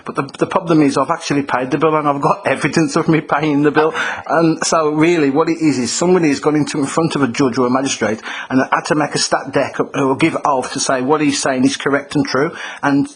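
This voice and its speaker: A man's voice: on the high side, fairly even intonation, fast talker, few pauses, rough recording. A man with a Black Country accent making a complaint by phone, talking in an insistent, argumentative and informal way, often repeating himself.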